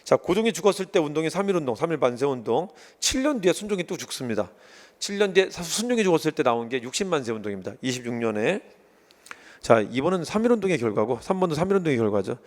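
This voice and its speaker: A man giving an exam-prep history lecture in a casual, animated way, briefly acting out quoted lines as he goes. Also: on the high side, fast talker.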